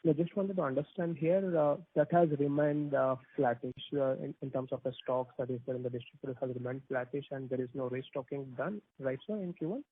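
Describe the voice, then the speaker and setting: A man's voice: mid-range voice, no room sound. A man, a financial analyst asking polite, deferential questions on a conference call, with many fillers. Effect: conference call phone line. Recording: tinny phone line.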